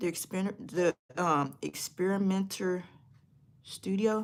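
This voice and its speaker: This woman has a bright, sharp tone and speaks with an American accent. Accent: Southern US, thicker around family. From US South, Georgia. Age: 20s. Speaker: hair and lifestyle vlogger. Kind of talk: casual livestream chat. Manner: casual, chatty.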